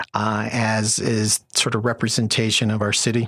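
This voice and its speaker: A man speaks at a moderate pace in a plain, everyday voice. His pitch sits in the medium range. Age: 60s. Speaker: arts administrator. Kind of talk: interview.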